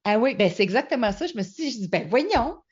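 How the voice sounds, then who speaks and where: Middle-aged woman, Québécois accent, animated storyteller guest, slightly dull recording. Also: a little high, rapid-fire, husky. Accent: Québécois French. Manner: animated storyteller, acts out quoted dialogue. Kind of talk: casual storytelling interview. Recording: slightly muffled lo-fi audio.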